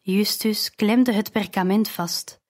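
Slow-reading woman narrating an audiobook. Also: medium pitch, steady tone, darkish tone. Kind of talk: scripted first-person narration.

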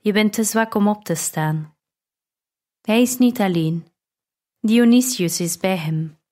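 Woman reading a calm, caring man. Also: mid-range voice, takes it slowly, natural voice. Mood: soothing. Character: gentle caring young man at a sickbed.

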